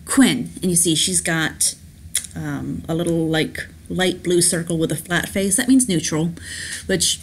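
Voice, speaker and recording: A woman's voice: on the low side, a little slow, a little hiss or hum. A woman chatting her way through a story game at home, reading the text aloud and gushing about it. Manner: chatty, enthusiastic, giggly, with restarts. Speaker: let's play host. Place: home, at a laptop.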